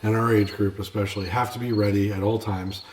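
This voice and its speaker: A man's voice: fairly low pitch, flat delivery, a little fast, a little mellow, a little hiss or hum. A man in his late thirties co-hosting a podcast, joking and agreeable in casual chat. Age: late 30s. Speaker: podcast co-host. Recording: echoey room from far off.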